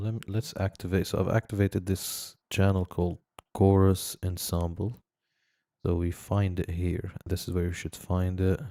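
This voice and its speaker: A man speaks at a very deep, low pitch with a dark, mellow tone and monotone, flat intonation. His pace is fairly slow, and the sound is dry with no echo. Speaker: music producer live streamer. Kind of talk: live stream tutorial-style work commentary. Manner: slow, halting. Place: studio.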